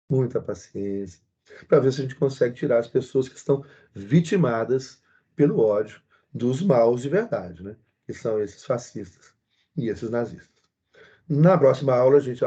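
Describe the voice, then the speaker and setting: A man's voice: mid-range voice, warm tone, breathy edge, highs cut off. A middle-aged Brazilian man lecturing online with emphatic repetition and constant tag questions. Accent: Brazilian Portuguese. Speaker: university lecturer.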